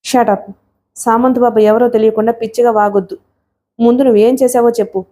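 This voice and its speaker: Woman reading storybook cop: corrupt man, bossy, fawning, high mellow tone. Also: flat delivery, brisk, lightly acted. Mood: barking. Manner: barking, then servile. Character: bullying corrupt male police inspector, fawning to the rich.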